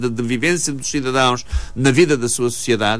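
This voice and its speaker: This man talks fairly quickly with lively intonation. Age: 60s. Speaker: professional association president and former MP. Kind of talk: radio phone-in discussion. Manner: hesitant, repetitive.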